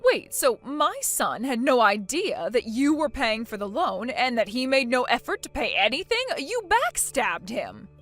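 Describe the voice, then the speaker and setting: A woman voicing a bossy middle-aged mother-in-law who scolds and makes demands loudly, with faint music behind. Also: a little high, sing-song, a little slow, hardly any pauses. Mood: alarmed. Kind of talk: dramatized story acting.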